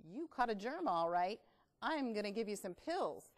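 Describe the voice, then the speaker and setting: A woman's voice: medium pitch, sing-song, moderate pace, lightly acted. A woman playing a matter-of-fact, tutting doctor in a children's storybook read-aloud.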